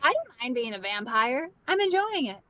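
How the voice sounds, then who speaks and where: Woman as animated, contented old lady vampire. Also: high-pitched, normal speed, full character voice. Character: Catherine, contented ninety-year-old woman turned vampire. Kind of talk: comedy table read.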